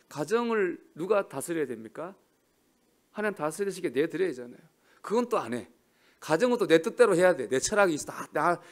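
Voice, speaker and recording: A man preaching a sermon as pastor, swinging between soft murmurs and loud emphatic cries and putting questions to the congregation. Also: fairly high pitch.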